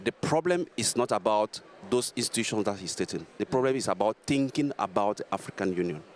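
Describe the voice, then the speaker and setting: A man's voice: on the low side, expressive, fairly quick, a little hiss or hum. A man from Cameroon in a forum audience, who speaks earnestly and rambles before he reaches his question.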